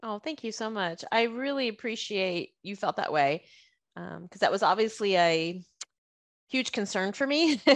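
A woman talks at a moderate pace with medium pitch and lively intonation. It's a plain, everyday voice against a quiet background. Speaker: author. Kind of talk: casual chat.

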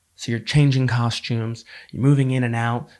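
On a very clean recording with a silent background, a man of medium pitch speaks fairly quickly in a monotone, flat intonation. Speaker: podcast host. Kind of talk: casual solo podcast monologue. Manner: rambling, self-deprecating.

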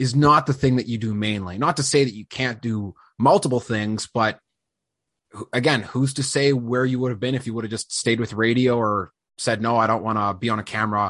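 Against a quiet background, an unremarkable speaking voice with a Canadian accent moves at a fairly quick pace with ordinary pitch variation. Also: man. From Winnipeg, Canada. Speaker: sports podcast host. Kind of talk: interview.

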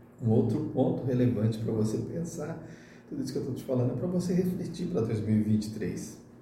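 In a room with audible echo, a man at a medium pitch talks at a fairly quick pace with lively intonation. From Brazil, Mococa (interior of São Paulo state). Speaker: podcast host and management consultant. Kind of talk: solo reflective monologue. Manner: informal, meandering with fillers.

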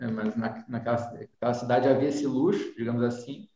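This man is heard with audible echo from the room. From Porto Alegre, southern Brazil. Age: young. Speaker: public prosecutor. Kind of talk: interview.

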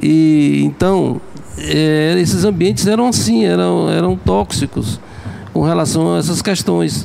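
A man's very slow speech at very even loudness. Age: 60s. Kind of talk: panel discussion.

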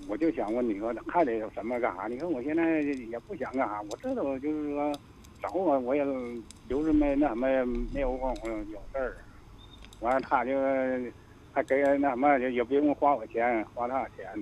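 Pausing often and at length, a man of medium pitch talks at a moderate pace with ordinary pitch variation. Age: 50s. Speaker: caller. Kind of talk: call-in advice show. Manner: halting.

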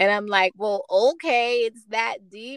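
A woman with an American accent has an ordinary speaking voice at medium pitch and lively intonation, speaking at a moderate pace. The recording is very clean with a silent background and a dry, close sound with no echo. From New Jersey. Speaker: podcast host. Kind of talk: casual chat.

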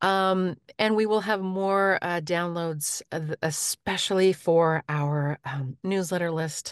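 Her fairly low voice sounds dry and close with no echo, and the background is quiet; the speaker is a woman. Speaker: podcast co-host, voice actor. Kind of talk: casual chat. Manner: animated, laughs often.

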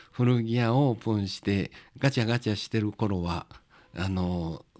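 A man's fairly low-pitched voice with a dark, mellow tone, in a very clean recording over a silent background. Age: 50s. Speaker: vintage clothing shop owner and animal rescue volunteer. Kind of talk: podcast interview.

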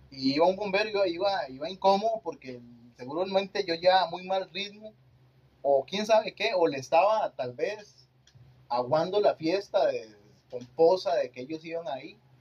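A man with a high pitch speaks with lively intonation, leaving long, frequent pauses. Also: big swings in loudness. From Costa Rica, Nicoya (Guanacaste). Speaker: violin teacher and musician. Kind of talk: interview, personal life story. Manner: halting, many repetitions.

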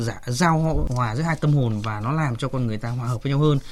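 Ordinary pitch variation marks a man's speech at a very fast pace. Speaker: doctor. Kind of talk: radio call-in advice. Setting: radio studio.

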